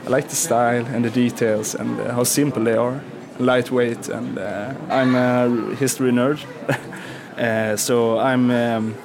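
A man with a Swedish accent speaks English as a second language, pausing on "uh" as he searches for words. He sounds keen on history. A busy museum crowd murmurs behind him. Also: mid-range voice, little pitch movement. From Sweden. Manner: hesitant, many "uh" fillers, enthusiastic about history. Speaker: museum visitor. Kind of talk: casual interview answers. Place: busy museum gallery indoors.

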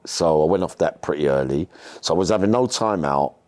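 A man's voice: rumbling low, animated, fairly quick, a little mellow, no room sound. A middle-aged man, chatting casually as a podcast guest and telling stories in a rambling, slangy way. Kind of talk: casual chat, personal storytelling.

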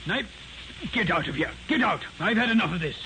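A surly male passenger in an old radio thriller. His voice is high, curt and indignant, always on the defensive, with faint noise on the recording. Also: animated, brisk. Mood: irritated, defensive. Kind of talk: 1940s radio acting.

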